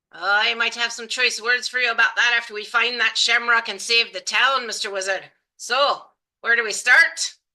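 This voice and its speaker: Using a put-on character voice, a woman speaks in a fairly high pitch at a moderate pace with fairly even intonation. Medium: read story. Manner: dry, teasing.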